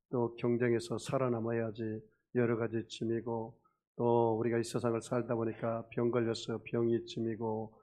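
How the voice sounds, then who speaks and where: A man preaching a sermon as pastor, telling stories, questioning the congregation and acting out loud cries for help. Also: mid-range voice. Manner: storytelling with acted shouts and audience questions.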